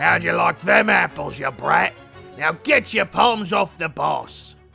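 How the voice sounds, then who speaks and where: Over clear music in the background, a man puts on a raspy character voice and speaks at a fairly slow pace. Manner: brash, swaggering.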